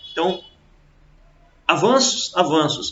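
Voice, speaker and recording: A man speaking at a fairly slow pace. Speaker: math professor. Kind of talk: lecture.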